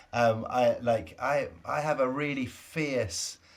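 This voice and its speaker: A man speaks with a British accent. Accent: non-US accent, British. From UK. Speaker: startup CEO. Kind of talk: interview. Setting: video call.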